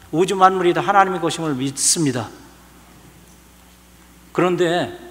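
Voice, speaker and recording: Male pastor, lively sermon delivery, higher voice, reverberant church hall recording. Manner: animated preaching with sudden loud and soft swings.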